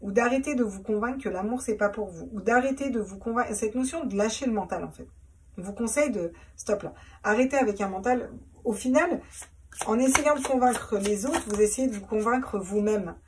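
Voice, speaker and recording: A chatty woman does a casual tarot reading to camera, repeating words and laughing at herself. Her mid-range voice is a little mellow and slightly rough, moves fairly quickly, and sounds far from the mic.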